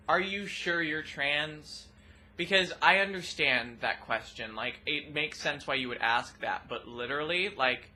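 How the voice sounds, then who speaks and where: A young trans woman with a rather deep voice, talking expressively and loudly in a casual personal vlog. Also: slight background noise. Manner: expressive, loud, laughs often. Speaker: vlogger.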